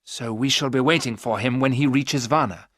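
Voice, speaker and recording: A man's voice: mid-range voice, normal speed, a bit bright, no room sound, studio quality, pitched above the performer's own voice, lightly acted. A man reading aloud, voicing an earnest, protective young husband who speaks with passion.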